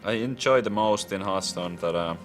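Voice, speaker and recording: Low-voiced pro gamer, thoughtful. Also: male voice, moderate pace, soft background music. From Finland. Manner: thoughtful, searching for words. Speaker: pro card game player. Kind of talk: pre-recorded player interview.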